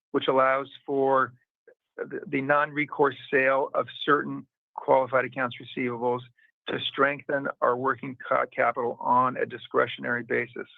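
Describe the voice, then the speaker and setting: A man formally reading out a scripted financial report as a company executive, in a measured way. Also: medium pitch, creaky, no room sound. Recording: narrow, tinny phone-line sound.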